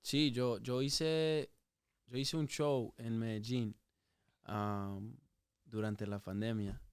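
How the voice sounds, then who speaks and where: Smooth-voiced man, casual bilingual chat. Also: medium pitch, steady tone, slow pace, dry recording, clean studio sound. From Toronto, Canada. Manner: switches between Spanish and English. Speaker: guest music artist.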